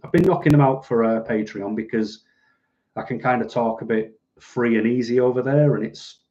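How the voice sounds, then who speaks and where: A man with a softened Mancunian accent chatting casually on a livestream to his viewers, rambling along in a dry, sardonic way. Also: medium pitch, moderate pace, muffled recording. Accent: Mancunian, softened northern English. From northern England, Manchester. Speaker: livestream host. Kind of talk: casual livestream chat, reading out and answering viewers' comments.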